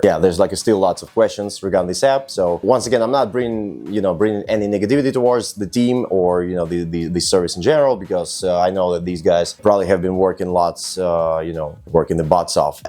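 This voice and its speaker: A man's voice: deep voice, warm tone. A man giving casual, unscripted review commentary in a hesitant, rambling, sardonic way. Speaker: YouTube software reviewer.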